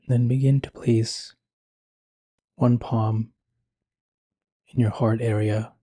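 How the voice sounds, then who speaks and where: Soft, husky man guiding meditation. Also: mid-range voice, level tone, dry recording, studio quality. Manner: slow, gentle, measured with long pauses. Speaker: meditation guide. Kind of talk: guided meditation.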